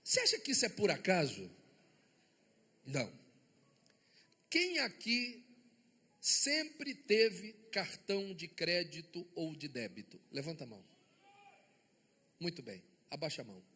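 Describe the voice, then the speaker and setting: A man's voice: sits high, bright, forceful tone, slightly rough. A man with a Brazilian accent, a bishop preaching a sermon and firing rhetorical questions at his congregation. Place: church sanctuary before a congregation. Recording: long church reverb.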